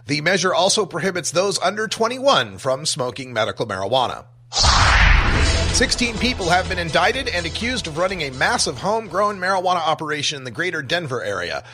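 A man's voice: on the high side, pushed and bright, breathy edge. A man hosting a talk radio show, reading scripted intros and headlines in a punchy announcer's delivery. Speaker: radio talk show host and news reader.

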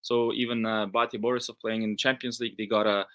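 Bright-voiced man, hesitant interview guest. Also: lowish voice, flat delivery, no echo. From Belarus. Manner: hesitant, halting, measured, hedging answers. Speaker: football reporter and interview guest. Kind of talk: interview answers.

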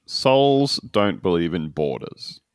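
Male podcast co-host, wry deadpan one-liners, lively pitch, dry close mic. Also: takes it slowly, smooth, no room sound. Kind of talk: casual comedic podcast chat.

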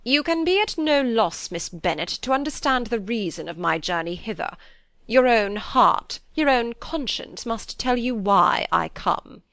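A woman voicing a haughty, imperious older aristocratic lady who speaks stiffly and slowly. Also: fairly high pitch, animated, a bit bright, no room sound, pitched above the performer's own voice. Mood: angry, imperious. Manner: stiff, slow and commanding.

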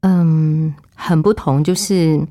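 Lively low-voiced woman. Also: slow pace, no echo, studio quality. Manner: lively, acts out quoted speech. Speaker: interview guest giving testimony. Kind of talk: animated storytelling.

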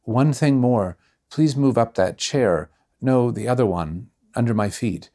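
A man voicing a gravely ill, helpless gentleman who speaks weakly and pleadingly in a storybook reading. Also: medium pitch, measured pace, natural voice. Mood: weary. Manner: weak, pleading.

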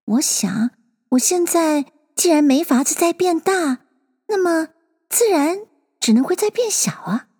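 A woman's voice: extremely high pitch, lively intonation, unhurried, warm tone, pitched above the performer's own voice, full character voice. A woman doing a spirited young girl. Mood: musing. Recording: long hall reverb.

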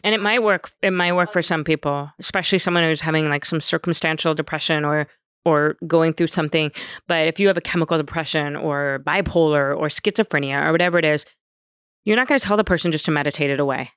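A woman's voice: low voice, fast, a bit bright, clear, resonant tone, no room sound, studio quality. A woman guest on a podcast, talking candidly and animatedly, joking and swearing freely. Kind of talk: casual conversation.

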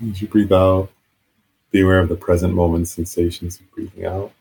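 A man leading a guided meditation as a teacher, giving gentle, halting, unscripted instructions with long pauses. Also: low voice, level tone, gravelly, breathy edge, poor audio.

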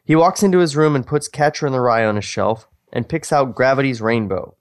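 This man, a podcast co-host, speaks at a medium pitch and a fairly quick pace. He keeps things casual while reading a screenplay aloud, mocking himself and swearing freely.

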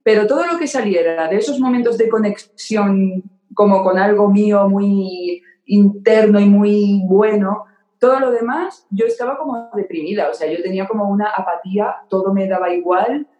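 A woman's voice: medium pitch, normal speed, mellow. Woman, podcast guest, emotional and candid, roomy echo. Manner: open, emotional, repeats words for emphasis. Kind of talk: candid conversation.

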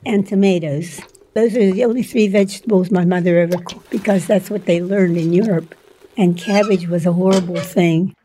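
An older woman telling the story of her childhood in an oral history interview, slow and plain, with soft laughs. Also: mid-range voice, slight background noise, rough recording.

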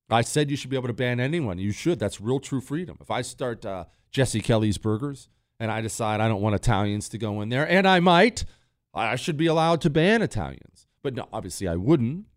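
A man's voice: mid-range voice, a little mellow, no echo, studio quality. A man hosting a talk radio show, delivering a blunt, emphatic opinion monologue while nearly losing his voice and sucking a cough drop.

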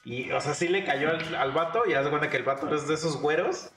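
A man's voice: on the high side, fast talker, fairly bright tone. A young man with a Mexican accent telling a crude school story in laid-back casual chat. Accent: Mexican Spanish. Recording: echoey room, faint music.

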